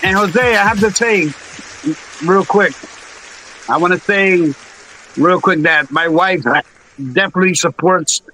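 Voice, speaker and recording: Bright-voiced man. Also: sits high, measured pace, long pauses, faint music behind, low-quality recording. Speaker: guest musician. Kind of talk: casual live interview chat.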